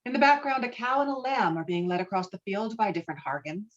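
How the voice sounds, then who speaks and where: A woman's voice: medium pitch, lively intonation, fast. A woman narrating the stage directions of a screenplay in an online table read, with muffled lo-fi sound. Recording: muffled lo-fi video call audio.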